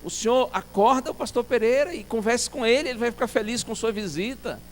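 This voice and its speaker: A man's voice: very high-pitched, a little fast, big-room sound, slight background noise, pitched above the performer's own voice. A man voicing a kindly older churchwoman who cheerfully and firmly urges him on. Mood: coaxing. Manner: cheerful, insistent.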